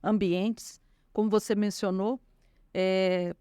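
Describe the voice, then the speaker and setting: A woman's voice: mid-range voice, level tone, takes it slowly, clear, resonant tone, dry recording. A woman with a Minas Gerais accent talks through her life story as an interview guest. She leans on small fillers and restarts as she goes. Her voice sits mid-range and sounds dry and close to the mic. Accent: Minas Gerais Portuguese. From Minas Gerais, Brazil. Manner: warm storytelling with frequent fillers. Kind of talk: conversational interview.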